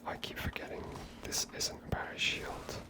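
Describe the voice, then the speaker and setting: Whispering man, ASMR game commentary. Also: normal speed. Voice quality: breathy unvoiced whisper. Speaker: gaming video host.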